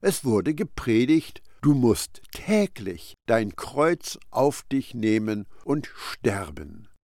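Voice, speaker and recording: Slow, lively-voiced male preacher. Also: mid-range voice, no echo, clean studio sound. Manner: emphatic, addresses the listener directly. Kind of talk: sermon-style Bible commentary.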